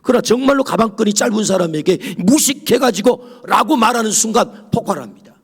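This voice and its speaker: Korean pastor man preaching, high lively voice, kinda husky, big church echo. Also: fast talker. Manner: animated preaching, whispering asides and acting out quoted voices. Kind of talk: sermon. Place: church sanctuary. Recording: long church hall reverb.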